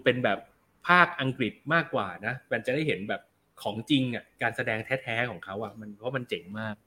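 Bright-voiced man chatting about films. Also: medium pitch, brisk. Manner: relaxed, chatty, slangy, reads out viewer comments. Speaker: film review show host. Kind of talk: casual film review chat answering viewers.

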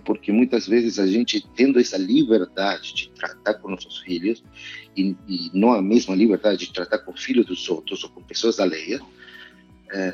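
A man's voice: lowish voice, darkish tone, husky, muffled recording. A middle-aged Argentine man and pastor speaking Portuguese with a Spanish accent, talking earnestly and reflectively with hesitant "eh"s. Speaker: pastor and missionary. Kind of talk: casual podcast interview.

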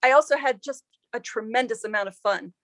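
A woman's voice: a little high, a little fast, a bit bright, dry recording, studio quality. A woman historian answering interview questions thoughtfully, with frequent ums and restarts, in a self-deprecating way. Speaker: author and historian.

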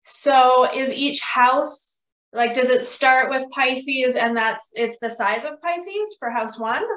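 Woman host, higher voice, talks slow, short prompts and questions, roomy echo. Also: fairly bright tone. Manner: brief encouraging prompts and follow-up questions. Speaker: podcast host. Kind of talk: casual interview chat. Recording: echoey room.

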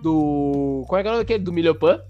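A man, hosting a podcast and telling a story in a lively, slangy way. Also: fairly high pitch, fast talker, lo-fi sound, soft background music. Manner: animated, slangy, acts out sounds and voices. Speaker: podcast host. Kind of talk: casual storytelling.

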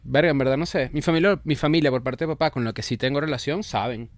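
Fast-talking joking Venezuelan man. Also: medium pitch, dry recording, studio quality. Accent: Venezuelan Spanish. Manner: quick, joking, storytelling. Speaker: comedian co-host. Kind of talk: casual podcast banter.

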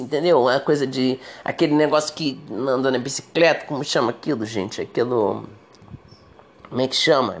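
A woman with a Brazilian accent, chatting casually to her followers and telling a story in an expressive way. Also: sits low. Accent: Brazilian Portuguese. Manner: chatty, expressive, many fillers like "gente". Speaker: vlogger.

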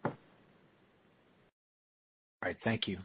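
A man's voice: extremely slow, a little hiss or hum. A man working as a financial analyst, putting questions to executives on an earnings call. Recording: dull, dry call audio.

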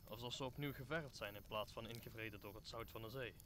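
A man's voice: lowish voice, fast, background noise, natural voice. A man playing a talkative, optimistic old counsellor who speaks formally in an audio drama. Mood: earnest, reassuring. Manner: formal, speechifying. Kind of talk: Dutch audio drama acting of Shakespeare.

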